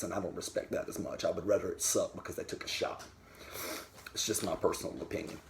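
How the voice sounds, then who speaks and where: A man's voice: sits low, a little mellow, slight background noise. A man talking to camera about his records in a candid, rambling way, swearing freely. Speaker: vinyl record vlogger. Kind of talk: casual talk to camera. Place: home den.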